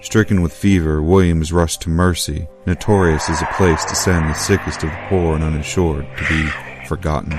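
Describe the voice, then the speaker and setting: A man's voice: a bass voice, steady tone, moderate pace, hardly any pauses. A man narrating a book trailer in a grave, dramatic way. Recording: music bed behind.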